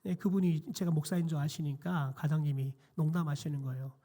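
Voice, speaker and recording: A middle-aged man, a pastor, preaching a quiet sermon in a church with a hoarse, nearly lost voice and many hesitant fillers. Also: a little high, fairly even intonation, brisk. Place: church sanctuary.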